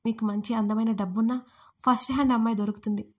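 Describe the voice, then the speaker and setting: A woman's voice: on the high side, steady tone, fast, darkish tone, slightly rough. Indignant, stubborn young woman , voiced by the woman narrator, raised voice.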